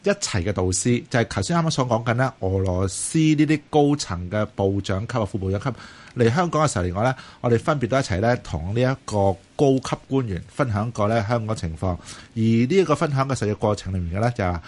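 A man's voice: lowish voice, lively intonation, quick pace, few pauses. A man with a Hong Kong Cantonese accent co-hosting an interview, chatty and wordy, peppering his sentences with particles. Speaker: co-host. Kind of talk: conversational introduction and interviewing.

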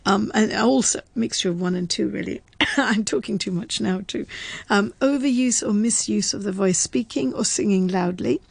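A woman's voice: medium pitch, moderate pace, creaky, dry recording. A woman in casual chat, explaining facts as a radio presenter and laughing often. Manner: chatty, reads facts aloud, laughs often.

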